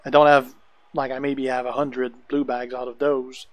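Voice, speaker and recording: A man with a French accent, a native French speaker, chatting casually to viewers on a gaming live stream, relaxed and chuckling often. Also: mid-range voice, normal speed.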